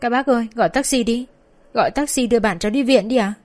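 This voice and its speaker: A woman's voice: fast talker, a little mellow, soft background music, natural voice. Woman voicing a desperate young woman begging for help. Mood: desperate pleading. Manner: pleading, high and strained.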